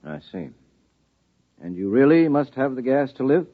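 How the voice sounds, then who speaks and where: A man's voice: mid-range voice, sing-song, moderate pace. An actor playing a sardonic, wary husband and policeman in a 1950s radio drama, speaking in a dry, probing way. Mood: probing, wry. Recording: thin, phone-like old radio recording.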